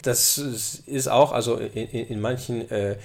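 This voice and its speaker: A man's voice: medium pitch, fairly even intonation, a little slow, vocal fry. A male guest in a conversation who explains things at length, hesitating and repeating words as he goes.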